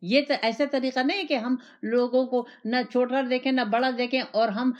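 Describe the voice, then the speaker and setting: With a voice on the high side and fairly even intonation, a woman who teaches religion delivers an Islamic sermon full of repeated phrases and first-person rhetorical questions. The audio quality is dull and lo-fi.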